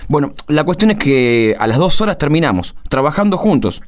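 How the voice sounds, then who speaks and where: A man's voice: on the high side, sing-song, moderate pace. An actor with an Argentine accent playing a humble, good-hearted workshop craftsman in radio theatre, colloquial and a little hesitant. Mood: sheepish, explaining.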